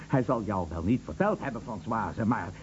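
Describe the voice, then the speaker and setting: An actor playing a bitter, sarcastic betrayed husband with cold menace in a radio drama. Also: male voice, on the low side. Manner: sarcastic, mocking, theatrical. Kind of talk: Dutch radio drama acting. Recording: dull lo-fi radio recording, faint hum.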